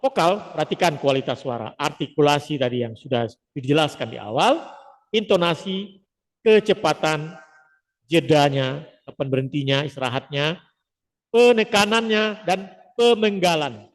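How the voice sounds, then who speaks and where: A man gives a lecture on public speaking with lively, emphatic stresses and frequent short asides to his listeners. His voice sits somewhat high for a man. The sound carries a long reverb, as if it were recorded in a hall. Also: normal speed.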